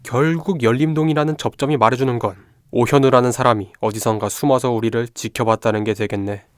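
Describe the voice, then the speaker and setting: A young man playing a sharp amateur detective who lays out deductions in an analytical, assured way in an audio drama. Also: medium pitch, steady tone, fast, no room sound, studio quality, close to an everyday voice. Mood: deducing. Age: young adult. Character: sharp young male amateur detective, piecing clues together.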